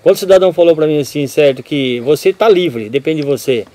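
An older man with a Brazilian accent, chatting as a guest and telling stories with halting restarts and repeats. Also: fairly high pitch, lively intonation, darkish tone, no echo. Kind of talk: casual chat.

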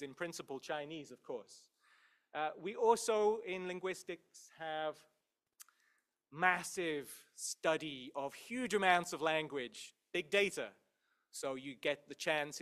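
Higher-pitched man giving a university talk. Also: a bit bright. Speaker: professor, head of a university English department, giving an introduction. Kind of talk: admissions talk to prospective students.

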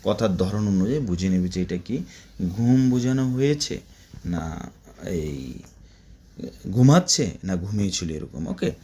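A man's voice: fairly low pitch, animated, a little slow, pauses often, dark tone. A man teaching spoken Arabic to Bengali speakers, repeating words in drills and breaking off into chatty asides.

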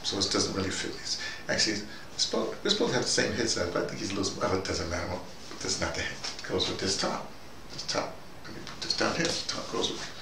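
A man's voice: deep voice, lightly acted. A man playing an easygoing, opinionated intellectual character, rambling and digressing animatedly in a casual monologue. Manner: digressive, animated, argumentative, punctuated with "you know". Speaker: vlogger in character. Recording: distant mic, echoey room, loud background noise.

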